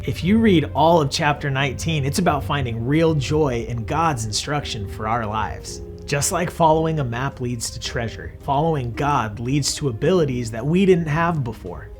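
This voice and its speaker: A man's voice: mid-range voice, moderate pace, hardly any pauses, soft background music. A young man hosting a children's Bible lesson, explaining patiently and in a friendly way. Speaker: children's ministry host.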